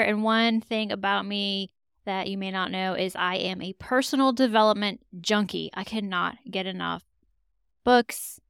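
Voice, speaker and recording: A woman's voice: mid-range voice, creaky, clean tone, no room sound, clean studio sound. A woman who is a family therapist, introducing herself on a podcast in an upbeat way.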